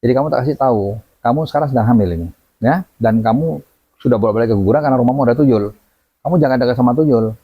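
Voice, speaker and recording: A man voicing a kindly old white-haired male jinn who calmly reassures a pregnant woman. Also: medium pitch, rapid-fire, breathy edge, no room sound, highs cut off, natural voice. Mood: reassuring.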